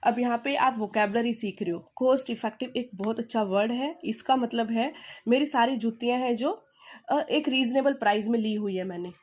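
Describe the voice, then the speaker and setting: In this Hindi-English language lesson, an Indian-accented woman explains English in Hindi, going over points repeatedly and asking "okay?" to check understanding. Her voice sits on the higher side with a somewhat dark tone, and she reads English sentences in a slow, emphatic dictation style.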